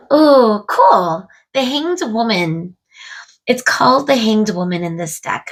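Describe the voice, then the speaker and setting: A woman speaks at a very slow pace in a somewhat breathy voice. Her intonation is lively. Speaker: tarot reader. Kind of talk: tarot card reading. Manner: casual, hesitant with fillers.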